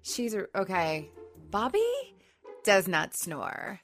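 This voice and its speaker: A woman's voice: medium pitch, lively intonation, slow, a bit bright, faint music behind. A woman voice actress recording lines into a studio microphone, playful and self-mocking as she chats between takes. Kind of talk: voice recording session outtakes.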